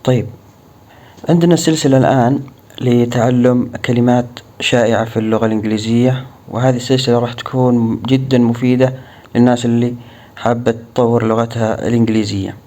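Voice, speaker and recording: Man, native Arabic speaker, English teacher, warm dark tone, slow careful repetition of examples. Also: mid-range voice, fairly even intonation. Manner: repeats English phrases slowly and deliberately. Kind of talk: language lesson explaining phrases.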